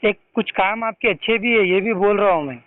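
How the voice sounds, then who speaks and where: A man's voice: sits high, a little fast, no echo. A man with a Hyderabadi accent on a phone call, pressing his questions insistently and accusingly, often cutting in. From India. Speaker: activist caller questioning a religious leader. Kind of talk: confrontational phone conversation. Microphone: phone call recording. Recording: tinny, narrow-band phone line.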